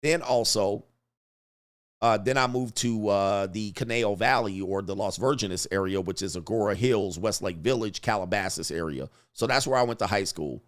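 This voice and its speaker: A man's voice: lowish voice, moderate pace. A middle-aged man from Southern California, hosting a casual livestream and reading viewer super chats with laughing, mocking asides.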